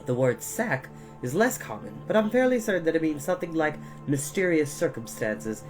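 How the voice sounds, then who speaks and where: A man hosting a storytime, speaking in a reassuring, expressive manner as he reads and chats. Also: fairly high pitch, moderate pace. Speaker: storytime host and reader. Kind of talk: audiobook-style storybook reading with chatty intro. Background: music.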